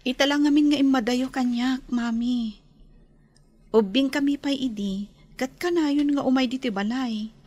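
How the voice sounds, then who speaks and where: A woman's voice: high-pitched, moderate pace, darkish tone. A woman voicing an earnest young woman who misses her sweetheart, in a radio drama.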